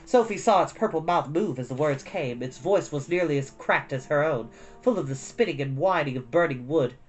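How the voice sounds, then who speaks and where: A man reading a storybook aloud as an expressive narrator. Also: on the high side, moderate pace, faint music behind, poor audio. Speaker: storytime reader.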